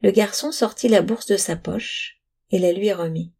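A woman reading a storybook aloud with calm, even narration. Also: mid-range voice, normal speed, gravelly, husky.

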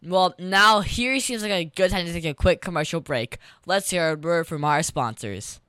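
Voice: mid-range voice, normal speed, bright, forceful tone, clear, resonant tone, no echo, clean studio sound. A show host interviewing a guest with a showy presenter's delivery.

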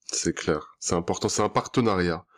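During a podcast interview and its outro, a relationship coach who hosts the show speaks in a deep, encouraging voice at a moderate pace. He's affirming throughout and offers many back-channel hums.

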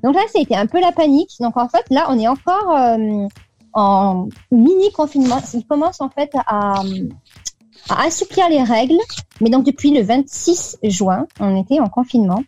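A woman's voice: high-pitched, expressive, moderate pace, dark tone, no echo, muffled recording, soft background music. A French woman in her thirties chatting as an interview guest, with lots of fillers and restarts. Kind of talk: casual radio interview over a call.

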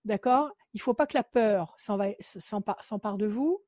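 A woman's voice: mid-range voice, moderate pace, darkish tone, no room sound, studio quality. A woman working as a psychic on a call-in show. She gives firm advice again and again and counts cards under her breath. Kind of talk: phone consultation with card reading.

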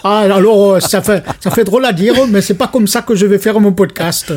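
A man from Quebec with a Québécois French accent, co-hosting a podcast in lively casual chat, laughing and restarting often. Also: high voice, brisk, a little hiss or hum. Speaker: podcast co-host.

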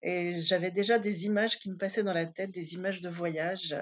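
A woman's voice: fairly low pitch, steady tone, normal speed, breathy edge. A woman in her fifties from Paris, chatting casually as an interview guest, with many hesitant fillers. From Paris, France. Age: 50s.

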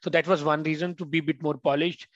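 A man's voice: a little high, level tone, quick pace, dry recording. A man from India, a guest speaking hesitantly with many fillers over a video call. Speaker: guest, former language student. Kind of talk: casual interview. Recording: dull, dry call audio.

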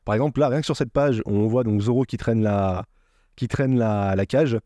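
A man's voice: medium pitch, moderate pace, mellow, dry recording, clean studio sound. A man co-hosting a casual podcast, rambling with many restarts as he explains manga details. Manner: rambling, with frequent restarts and filler. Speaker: podcast co-host. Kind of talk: casual chat about a manga.

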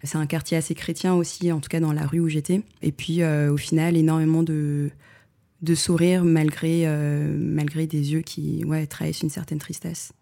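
A woman photographer answering interview questions in a reflective way, pausing often with fillers and restarting her sentences. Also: deep voice, level tone, vocal fry, mellow. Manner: hesitant, many fillers and restarts.

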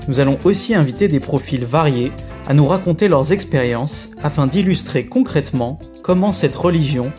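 A man's voice: on the high side, expressive, moderate pace. A man hosting a podcast, reading a scripted introduction in a friendly, upbeat way. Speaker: podcast host. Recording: clear music underneath.

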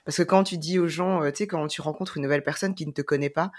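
A young woman hosts a casual podcast in a lowish voice. She tells stories with energy. She acts out the back-and-forth of conversations as she goes. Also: quick pace. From Brussels, Belgium. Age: young adult. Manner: lively storytelling, acting out exchanges. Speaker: podcast host.

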